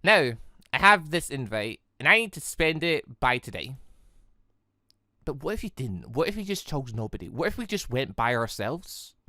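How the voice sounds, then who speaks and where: A gaming video host talks in a bright, forceful voice with very lively pitch movement. The delivery is casual and rambling, full of tangents and self-corrections. The sound is dry, with hardly any room in it. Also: normal speed, no echo. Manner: chatty, digressive, self-correcting. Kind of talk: casual rambling game commentary.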